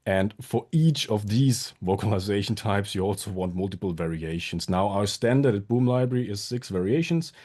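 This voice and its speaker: A man's voice: deep voice, dark tone. A man giving a friendly conference talk with self-deprecating jokes, his voice a little strained from being sick. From Germany. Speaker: conference speaker, sound designer. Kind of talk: presentation talk.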